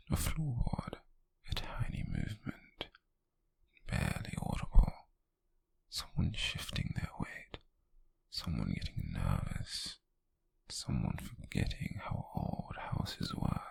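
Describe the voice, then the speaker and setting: Man playing obsessive British male stalker, breathy close-up whisper, very slow lingering pace, menacing tenderness, ASMR roleplay. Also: low voice, exaggerated voice. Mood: hunting, playful menace. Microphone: very close, dry microphone.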